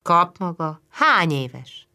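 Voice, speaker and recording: A woman reading the lines of a shy, sorrowful young housemaid, soft and hesitant. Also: fairly low pitch, very animated, full character voice.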